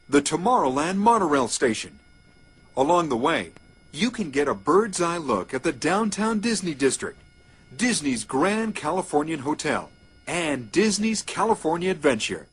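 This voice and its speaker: Muffled, lively male transit tour announcer. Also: on the high side, husky. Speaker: theme park monorail announcer. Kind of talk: scripted tour announcement, like a transit public-address message.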